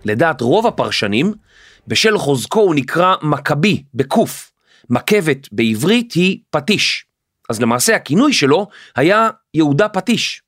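A man hosting a history podcast, telling the story in a lively, animated scripted narration. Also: on the high side, no room sound, studio quality.

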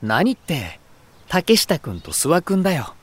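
A man playing an unruffled, poetic young younger brother in a voice drama, elegant and gently persuasive. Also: on the high side, wildly swooping pitch, a little slow, breathy edge, no room sound, exaggerated voice. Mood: serene. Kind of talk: Japanese voice drama acting.

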